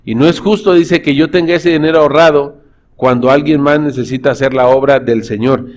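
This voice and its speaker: A man's voice: a little high, steady tone, fairly quick, darkish tone, a little hiss or hum. A man, a pastor preaching a sermon in church, telling stories and calling the congregation brothers. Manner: storytelling, addresses congregation as brothers.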